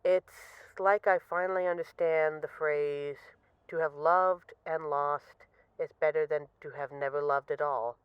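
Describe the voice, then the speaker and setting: A woman's voice: deep voice, fairly even intonation, a little slow, clear, resonant tone, no room sound, muffled recording. A woman acting as a bored, restless mafia boss who misses a partner, talking in a wry, dramatic, rambling way in an intimate voice-message roleplay. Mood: wistful, tender.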